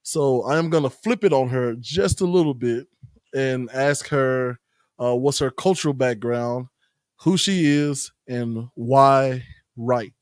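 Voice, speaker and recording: A man's voice: medium pitch, takes it slowly, no room sound, studio quality. A man hosting a podcast, interviewing in a casual conversational style. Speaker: podcast host.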